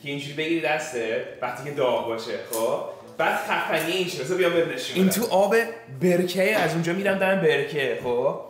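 Casual male vlogger, slightly high voice, very reverberant indoor sound. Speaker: vlog guest showing his camping gear. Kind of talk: casual chat, showing items to camera. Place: bright hard-walled kitchen indoors. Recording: very echoey room, music behind.

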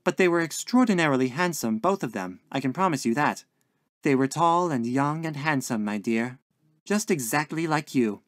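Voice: mid-range voice, animated, normal speed, no echo, studio quality, voice pushed up, lightly acted. A narrator voicing a dainty, scatterbrained older landlady in a story, with sweet endearments and a coaxing, genteel manner. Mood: gushing, airy. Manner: sing-song, sighing, motherly endearments.

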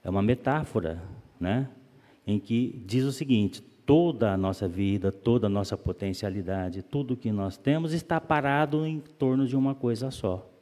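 A man giving a calm, explanatory spiritist lecture, often asking rhetorical questions. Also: medium pitch, normal speed. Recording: long reverb of a hall.

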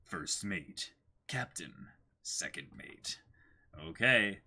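A man in his twenties hosting a manga reading, chatting casually with animated, informal asides. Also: sits low, very slow. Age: 20s. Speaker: host reading manga aloud with a friend. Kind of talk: casual chat between dramatic reading. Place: small indoor room in front of a backdrop.

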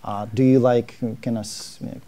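Mellow, halting male interviewer. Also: mid-range voice, little pitch movement. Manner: halting, hesitant phrasing. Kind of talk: unscripted live interview questions. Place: university lecture room.

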